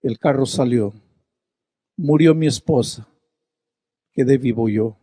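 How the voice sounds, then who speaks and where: A man voicing a grieving, remorseful middle-aged man who speaks low, hushed and halting. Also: no room sound. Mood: grief-stricken.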